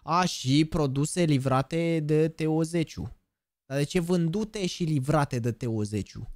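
A man in his twenties, live streaming and chatting, hyper and joking, bursting into shouted catchphrases. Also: fairly high pitch, dry recording, studio quality. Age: 20s. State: over-excited. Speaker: gaming streamer.

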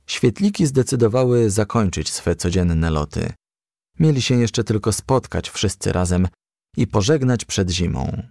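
Guy reading a kids storybook, lowish creaky voice, really dry sound. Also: a little mellow, dry recording. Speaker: audiobook reader. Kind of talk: scripted children's storybook narration.

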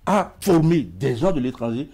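A man's voice: medium pitch, big pitch swings, normal speed, dark tone. A middle-aged man with a West African French accent, a guest in a TV studio interview, who gestures widely and stumbles over repeated words. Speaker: studio guest, emigration expert. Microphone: lapel mic.

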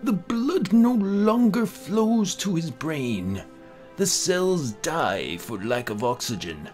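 A man playing an elderly, skeptical bachelor who speaks formally and with measured emphasis in a horror story. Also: on the high side, big pitch swings, darkish tone, faint music behind, voice pushed up. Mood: firm, exasperated.

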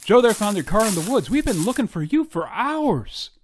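A woman playing a gruff, take-charge county sheriff in an old-time style radio drama, folksy and commanding. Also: medium pitch, big pitch swings, moderate pace, a little mellow, a little hiss or hum, lightly acted. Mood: questioning.

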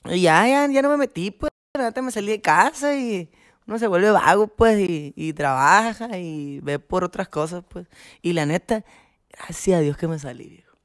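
A man's voice: sits high, moderate pace. A man, a band member chatting casually on a podcast in slangy, laid-back talk. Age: 20s. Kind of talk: casual chat.

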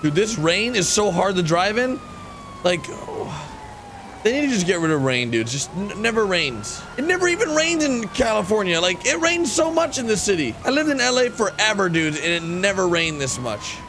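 A young American man doing casual, excitable gameplay commentary and police roleplay banter in slangy speech, close on the mic. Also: high-pitched, normal speed, noisy background. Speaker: gaming YouTuber playing a police officer in roleplay. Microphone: close microphone with headset at desk.

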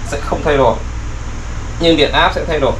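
A man's voice: fairly high pitch, fairly quick. Male DIY vlogger from Vietnam, casual explainer with fillers, audible background noise.

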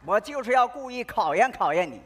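On stage before a live audience, a woman performs a northeastern comic sketch, bold and teasing as she calls out in a sing-song way. Her voice is fairly high and fairly quick, and the recording is very noisy.

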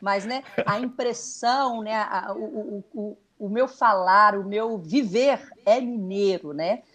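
A woman's voice: mid-range voice, slow, fairly bright tone. Chatty Mineira woman on a video call. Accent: Minas Gerais Portuguese. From Brazil. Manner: chatty, enthusiastic, lots of fillers. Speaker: guest musician. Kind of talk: casual TV chat. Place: small room indoors. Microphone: laptop video call.

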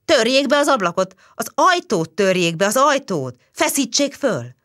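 A woman's voice: a little high, sing-song, sharp tone, pitched above the performer's own voice, full character voice. A woman voicing an anxious building concierge who urges and scolds. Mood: urgent. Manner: insistent, urgent.

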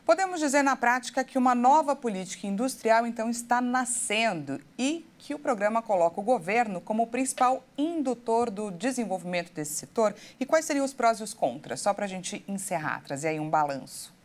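A woman in her thirties, a news anchor, reading scripted news reports in a smooth, measured way. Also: on the high side, expressive.

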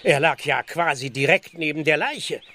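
An actor playing an excitable, easily exasperated village police constable in a German audio drama. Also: male voice, a little high, normal speed, slight background noise. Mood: embarrassed. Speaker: actor in a radio play.

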